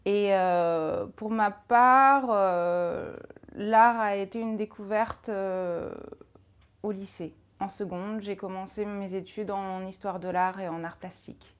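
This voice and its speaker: A woman in her thirties, a jewelry designer, answering interview questions calmly and in a measured way. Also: medium pitch, clean tone. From France. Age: 30s.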